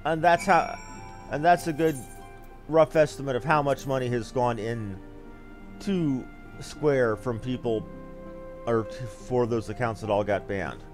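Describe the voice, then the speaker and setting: A man's voice: mid-range voice, unhurried, pauses often, soft background music. A man giving casual live game commentary as a streamer, rambling and blunt with some mild swearing. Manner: rambling, blunt, mildly profane.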